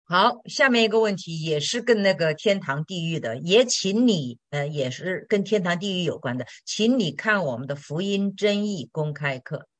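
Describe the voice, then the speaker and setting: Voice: medium pitch, animated, normal speed, few pauses, no room sound. Blunt Christian teacher answering questions, plain everyday chat, dry close sound. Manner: direct, blunt, colloquial with tag questions. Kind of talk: sermon-style Q&A.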